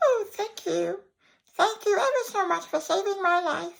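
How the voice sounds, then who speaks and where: Squeaky and pitched extremely high, this put-on character voice moves along at a moderate pace. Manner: grateful.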